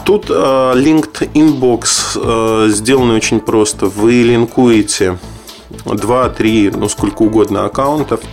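Low, creaky-voiced man reviewing tech. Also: slow pace, soft background music. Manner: matter-of-fact, skeptical, explanatory. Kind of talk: informal spoken product review, loosely scripted.

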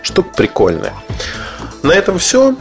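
A man's voice: high voice, huge pitch swings, unhurried, vocal fry, soft background music. A man hosting a tech podcast, giving a casual, rambling gadget review full of hesitations and asides.

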